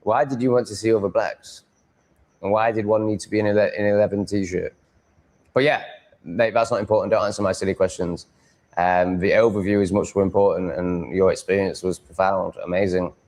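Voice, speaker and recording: Yorkshire bloke rambling on his livestream, fairly low voice, blunt and crude, casual chat. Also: fairly even intonation, brisk, darkish tone. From Yorkshire, England. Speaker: livestream host.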